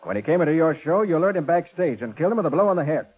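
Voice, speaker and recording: A man's voice: on the high side, very animated, very fast, slightly rough, phone-quality sound. An actor playing a confident, level-headed male private detective in a 1940s radio crime drama. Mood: confident, accusing. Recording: thin, noisy vintage radio recording.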